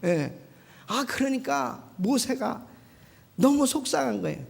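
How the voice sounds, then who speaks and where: A pastor from Korea delivers a sermon with a gravelly, husky voice. The pitch swings widely as they keep prodding the listeners with quick questions. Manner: animated, keeps prodding the congregation with quick questions.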